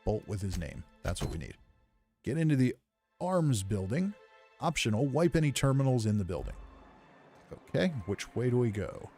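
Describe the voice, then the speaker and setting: A man's voice: mid-range voice, very animated, moderate pace, warm tone, soft background music. A man giving easygoing, casual game commentary, thinking aloud as he plays. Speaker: gamer narrating playthrough.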